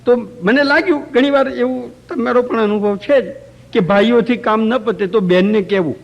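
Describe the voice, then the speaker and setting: A man with a notably high-pitched voice teaches through anecdotes in a religious talk. He keeps turning to his listeners with rhetorical questions. It was recorded live in a community center hall. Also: moderate pace, gravelly, muffled recording. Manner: asks rhetorical questions of the audience.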